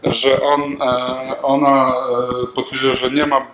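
A man's voice: medium pitch, monotone, slow pace, a little hiss or hum. A man serving as pastor, leading prayer and talking informally at the close of a church seminar, calling people up by name. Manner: warm, informal, calls people forward by name. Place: church gathering.

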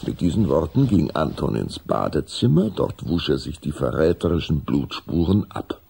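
A man as a measured storybook narrator in a children's audio drama, reading a scripted story. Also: a bass voice, sing-song, vocal fry, warm tone, a little hiss or hum, full character voice. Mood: narrating.

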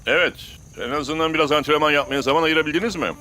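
A man voicing a calm, commanding adult football coach in a cartoon dub. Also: a little high, racing, faint music behind. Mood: steady. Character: dry, steady adult male football coach.

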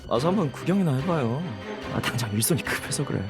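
An actor playing a menacing, unhinged man in a thriller audio drama, with a gravelly, drawn-out delivery. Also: medium pitch, animated, close to an everyday voice. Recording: long reverb under music.

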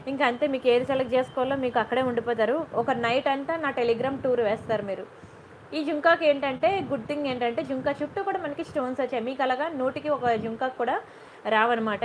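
A woman's voice: high-pitched, a little hiss or hum, rough recording. A woman hosting a chatty live jewellery sale, greeting viewers by name and checking in with them often as she slips English words into her speech. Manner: mixes English words and phrases into her Telugu. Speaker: jewellery seller on a live stream. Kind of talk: chatty live sales stream.

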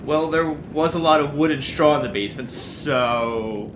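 An actor playing a sheepish, casual male troublemaker in an audio drama, hesitant and halting. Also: fairly high pitch, fairly bright tone. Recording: noisy background ambience.

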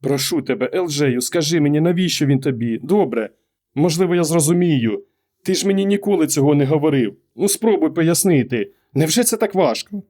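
A man's voice: a little high, very animated, brisk, a little mellow, voice pushed up. A man reading an audiobook, raising his voice to play an anxious, exasperated wife who keeps pressing her husband with questions. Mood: pleading. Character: anxious middle-aged wife, exasperated and pleading. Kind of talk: audiobook character voice.

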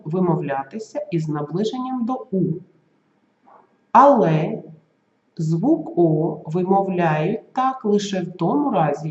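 Lively teacher voice in a roomy room. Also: medium pitch. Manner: slow, careful enunciation of example sounds and words. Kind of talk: school video lesson. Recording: roomy, slightly dull recording.

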